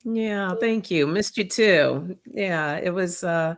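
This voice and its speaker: A woman with a slightly raspy voice from a recent cough, casually co-hosting a live stream and greeting viewers by name. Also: on the low side, takes it slowly. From Canada. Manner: easygoing, laughs often, greets viewers by name. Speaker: tarot channel co-host. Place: home room, live stream. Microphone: computer mic on a live call.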